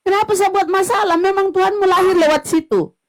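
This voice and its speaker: A woman's voice: very high voice, fairly quick. A woman arguing in a heated religious debate, mocking and confrontational, hammering the same points. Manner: mocking, confrontational, repetitive jabs.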